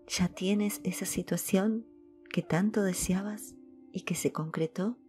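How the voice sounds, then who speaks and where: A woman giving a calm, soft-spoken spiritual message and reciting devotional decrees. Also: medium pitch, unhurried. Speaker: spiritual channel host. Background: soft background music.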